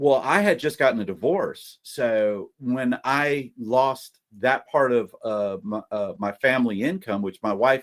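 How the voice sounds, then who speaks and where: A man's normal speaking voice, medium in pitch with lively intonation, at a fairly slow pace, in a very clean recording with a silent background. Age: 50s. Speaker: reseller, retired teacher. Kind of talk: casual chat.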